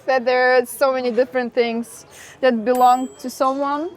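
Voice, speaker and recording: A young woman chatting casually outdoors at a market, giving relaxed, brief replies. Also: sits high, normal speed. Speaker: travel companion. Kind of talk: casual chat while walking.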